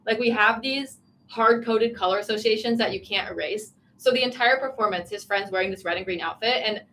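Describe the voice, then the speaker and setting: Young woman livestream host, quick chatty delivery, giggly, reads out viewer questions, faint room tone. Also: a little high, fairly bright tone, a little hiss or hum. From Virginia, USA. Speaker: vlogger hosting a livestream. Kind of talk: casual livestream chat. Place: small tea room in an inn.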